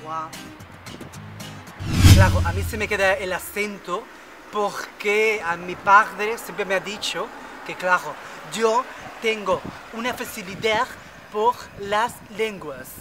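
Estela, a woman playing a spoiled chatterbox, is a vain, chatty rich young woman and daddy's girl who boasts nonstop in a bubbly mood, slipping into fake foreign-accent bits. Her mid-range voice is close to an everyday one and unhurried, over background music.

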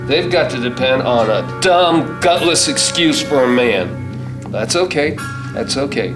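Male actor as tough, defiant survivor for radio drama; blunt, very varied pitch, music underneath. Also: animated, measured pace, close to an everyday voice. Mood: scornful, defiant. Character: defiant, tough man taking charge of survivors. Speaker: actor in a staged radio play. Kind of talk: radio play acting. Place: theater stage. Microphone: stand microphone. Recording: music behind, live stage.

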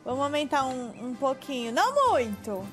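Young woman, Brazilian accent, high voice, casual game streamer commentary, music behind. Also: very animated, normal speed. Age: young adult.

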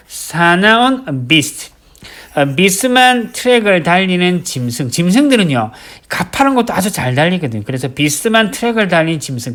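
A man teaching English vocabulary in a recorded lecture, repeating each word slowly and writing it out as he explains. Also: fairly high pitch, fairly bright tone. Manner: drills words by slow repetition, writes as he explains.

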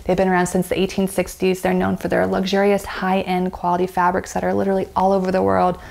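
American woman in her 30s doing a bedding review, chatty and upbeat, bit of vocal fry. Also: on the low side, monotone, quick pace, a little mellow. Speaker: product reviewer. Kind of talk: casual product review to camera. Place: bedroom, seated on a bed.

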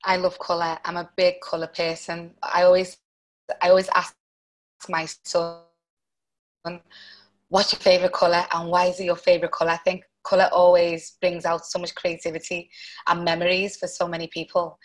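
A woman's voice: on the low side, completely flat delivery, moderate pace. A young woman moderating a video call, speaking upbeat and handing over to each speaker. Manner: upbeat, inviting others to speak. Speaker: event moderator. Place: room at home. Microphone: wired earphone mic on video call.

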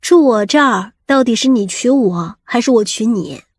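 A woman playing a sharp-tongued, coquettish lover in an audiobook, pouting and reproachful. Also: a little high, lively intonation, moderate pace, husky, no room sound, studio quality. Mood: scolding.

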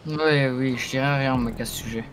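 A man bantering casually over a game, griping in slang in an animated way. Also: mid-range voice, moderate pace, a little hiss or hum. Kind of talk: casual banter while gaming.

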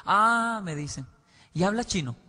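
Bright-voiced man speaking in a hall. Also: high-pitched, lively intonation, a little slow. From Colombia. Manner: storytelling, acts out dialogue. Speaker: conference speaker. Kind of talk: public lecture. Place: large parliament hall. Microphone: podium microphone. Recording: reverberant hall, played from a video.

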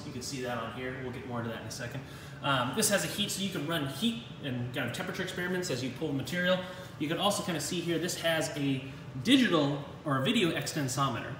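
A man's voice: a little high, distant mic, noisy background. A male engineering instructor strolls through a lab, explaining equipment in a loose, rambling way full of fillers. The sound comes from a phone held while walking, his voice set back from the mic in a very echoey room. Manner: casual, rambling with many fillers and self-deprecating asides. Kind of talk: informal lab tour walkthrough. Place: university materials lab, indoors. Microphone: handheld phone camera while walking.

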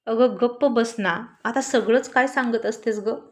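A sulky teenage boy mutters apologies and grumbles in a storybook tale, as a woman narrator voices him. The voice sits a little high and sounds sheepish. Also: fairly even intonation, unhurried, close to an everyday voice.

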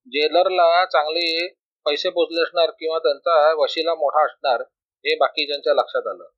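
A man narrating a story in a plain, steady reading style, on a dull lo-fi recording. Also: fairly high pitch, normal speed, no room sound.

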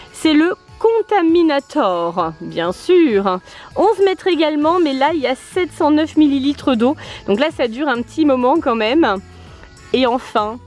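Beside a pool outdoors, a mother with a strikingly high voice hosts her family's toy-review vlog. Her manner is playful and teasing, with frequent laughter, while soft music plays faintly in the background.

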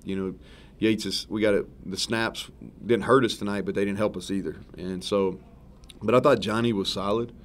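At a normal speed and a fairly low pitch, a male head football coach in his thirties works through post-game questions at a press table full of mics. He's relaxed and candid but rambles and keeps revising his phrasing. Behind him is a sponsor backdrop in the press conference room.

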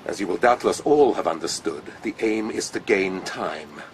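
Pompous, sly army commander. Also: male voice, deep voice, lively intonation, normal speed, slight background noise. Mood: coolly menacing. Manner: pompous, drawling, coolly sardonic. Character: haughty, sly, spiteful aristocratic army commander. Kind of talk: radio drama acting.

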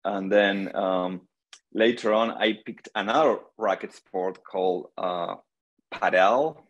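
A middle-aged man from Argentina, a guest player chatting relaxed on a video call from home, with many pauses. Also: low-pitched, muffled recording. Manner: relaxed storytelling, many pauses and "um", gestures with hands. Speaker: guest, senior pro pickleball player. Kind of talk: casual video call interview. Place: small room indoors at home. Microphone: laptop webcam on video call.

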